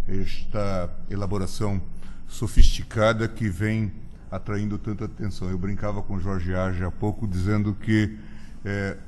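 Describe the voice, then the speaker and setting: A man chairing a lecture event, giving a formal, measured introduction with frequent hesitations. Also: on the low side, darkish tone, a little hiss or hum. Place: lecture hall.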